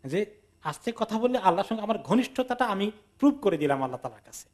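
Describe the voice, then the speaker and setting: High-voiced man giving a sermon. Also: big pitch swings, quick pace, a little mellow. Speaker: Islamic teacher giving Quran tafsir. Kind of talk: sermon-style lecture with acted anecdotes.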